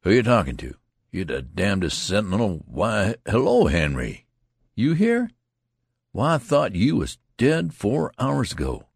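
A man voicing a gruff, irritable army corporal with blunt, scolding, rustic speech. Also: fairly low pitch, huge pitch swings, measured pace, dry recording, studio quality, pitched above the performer's own voice, full character voice. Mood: irritated.

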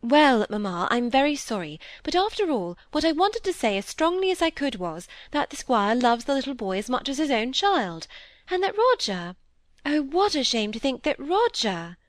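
A woman reading aloud, voicing an earnest, gentle young woman who speaks eagerly. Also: sits high, big pitch swings, moderate pace, few pauses, no echo, studio quality, voice pushed up.

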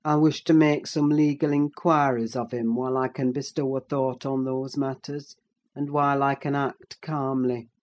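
A man's voice: medium pitch, little pitch movement, normal speed, a little mellow, natural voice. A performer playing a brooding, haunted, sleepless older man in a dramatic audiobook, speaking in grave, intense declarations. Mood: weary. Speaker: character in an audiobook.

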